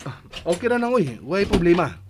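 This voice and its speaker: An actor playing an easygoing, kindly parish priest in a radio drama comedy, with a Bisaya accent. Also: male voice, high-pitched, very animated, moderate pace, background noise. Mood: genial. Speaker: priest character.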